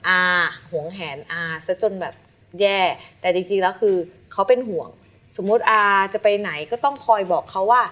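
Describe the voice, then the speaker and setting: A woman's voice: medium pitch, normal speed. A woman guest on a talk show, telling her story and acting out the voices of people in it. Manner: animated, acts out quoted voices. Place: television studio.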